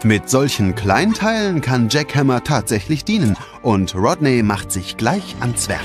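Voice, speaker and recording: A male narrator tells a children's audio drama from a script. His delivery is expressive, with lively, moving pitch. Clear music runs behind the voice. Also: unhurried. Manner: expressive storytelling.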